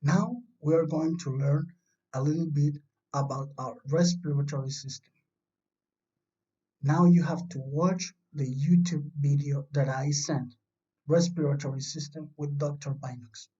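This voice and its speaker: This Chilean primary school science teacher talks slowly and mellowly in a steady, medium-pitched tone, reassuring young children during a recorded remote lesson. Everything is explained patiently and simply, in a lo-fi home recording that sounds dull and distant.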